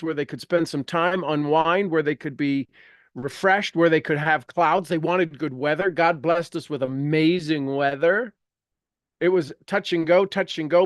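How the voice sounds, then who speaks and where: Emphatic, higher-voiced man teaching off the cuff. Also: no echo, studio quality. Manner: emphatic, preachy, repeats phrases and questions for effect; rambling, self-interrupting. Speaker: motivational teacher reading and commenting on a self-help book. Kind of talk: informal live teaching with read-aloud passages and asides.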